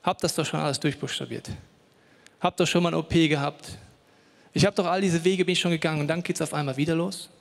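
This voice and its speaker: A man's voice: high voice, gravelly, long reverb tail. A male pastor giving a sermon in a church, speaking personally and directly to the listener and telling a story dramatically. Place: church hall.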